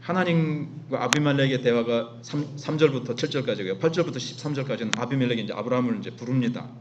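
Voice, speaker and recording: A man's voice: medium pitch, fast. A man with a Gyeongsang dialect preaching a Sunday sermon as pastor, asking the congregation questions and answering them himself. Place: church sanctuary. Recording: dull recording with faint hum.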